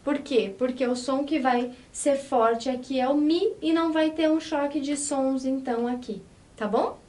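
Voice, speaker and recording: A woman's voice: high-pitched, a little slow, darkish tone. A woman teaching a language lesson, explaining patiently step by step, switching between two languages and checking that students follow. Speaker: Spanish teacher.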